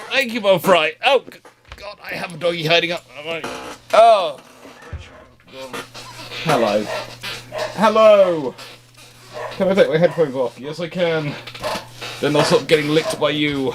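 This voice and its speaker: A man with a somewhat high voice hosts a live stream, fielding questions about naval history. He's casual and chatty, tending to ramble and cut himself off mid-sentence, and there's a faint hiss or hum in the audio.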